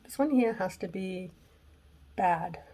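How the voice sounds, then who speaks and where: In her home craft room on a gray day, a craft channel host with a raspy voice leads a casual tutorial, chatting and thinking aloud as she works and sometimes dropping to a whisper. Her medium-pitched voice is expressive, slow and dark, picked up by a camera mic that moves close and away.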